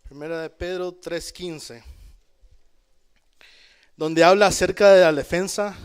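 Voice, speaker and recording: A man's voice: high-pitched, steady tone, slow pace, clean tone. A man from El Salvador, teaching a Bible study to a church congregation in a conversational way, calling out amen and checking in with his listeners. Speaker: preacher. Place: church in Canada.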